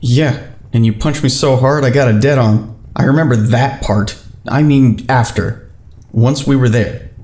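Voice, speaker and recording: A man played by an actor talks casually in audio drama dialogue. His voice sits at an average pitch, and he is persistent and teasing, with something troubled underneath. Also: measured pace, a little mellow, close to an everyday voice. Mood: probing, teasing. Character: teasing, troubled man probing an old shared memory.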